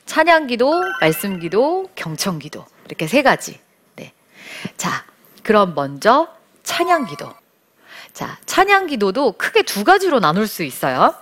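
An earnest woman gives devotional teaching on prayer. Her voice rises and falls in a lively way, and at times she sinks into a hushed, soft whisper for emphasis. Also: medium pitch, a little slow.

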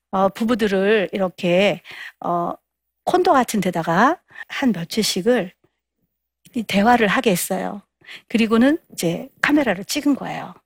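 A woman's voice: mid-range voice, no room sound, clean studio sound. A woman lecturing on marriage communication, asking her listeners questions and acting out quarrels in raised voices. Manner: asks the audience questions.

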